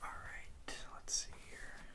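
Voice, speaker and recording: A person whispering an ASMR role play as a college advisor, explaining things in an unhurried, reassuring way.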